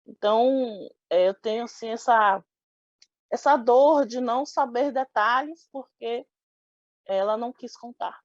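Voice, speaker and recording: A woman's voice: on the high side, a little slow, dry recording, dull audio. A young woman from Salvador, giving an oral history interview and speaking thoughtfully with frequent restarts. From Salvador, Bahia, Brazil. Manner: thoughtful, many restarts and filler "né".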